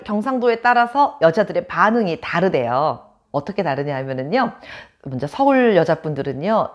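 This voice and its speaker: A woman from Chungcheong, South Korea, hosting her own channel and chatting to camera in a casual storytelling way, laughing often. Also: lowish voice. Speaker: channel host.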